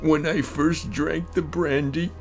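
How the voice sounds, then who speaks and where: Slow, theatrical male horror narrator. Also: on the high side, fairly even intonation, faint music behind. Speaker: narrator, amateur voice actor. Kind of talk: dramatic first-person horror story narration.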